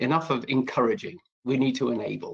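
A man talks at a fairly quick pace with vocal fry. The background is quiet. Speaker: street designer. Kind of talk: webinar presentation. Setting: video call. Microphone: video call.

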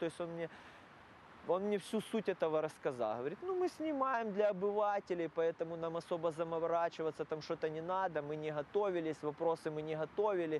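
A man with a high pitch and ordinary pitch variation speaks at a fairly quick pace, the sound dry with no echo and light background noise. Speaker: football ultras fan; interviewee. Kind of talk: interview. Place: street.

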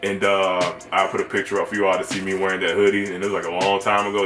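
With clear music playing behind him, a man is talking. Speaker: clothing haul vlogger. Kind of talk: casual vlog chat. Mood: upbeat, relaxed. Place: home room.

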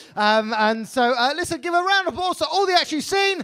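At a fairly quick pace, a man talks in a raised, projected voice. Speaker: comedy night host. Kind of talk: closing announcements from stage; compere closing announcements. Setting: stage with audience. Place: stage. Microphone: handheld.

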